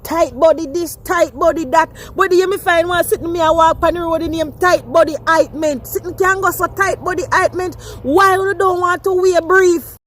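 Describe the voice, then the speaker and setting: A woman's voice: extremely high pitch, moderate pace, hardly any pauses, fairly bright tone, a little hiss or hum. A woman with a Jamaican accent, talking emphatically in patois in an archived street clip.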